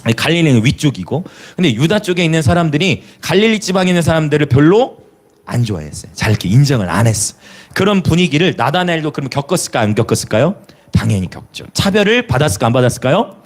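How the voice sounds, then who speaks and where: Preacher guy, highish voice that jumps around a lot, tosses questions at the crowd. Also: fast. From Jeolla, South Korea. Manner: lively preaching with rhetorical questions and hallelujahs; chuckles between remarks. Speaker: pastor. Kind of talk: sermon.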